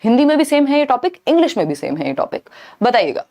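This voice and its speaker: A woman teacher giving a live online exam-prep lesson, explaining lively and often checking in with her viewers. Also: high voice, quick pace. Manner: mixes Hindi with English terms.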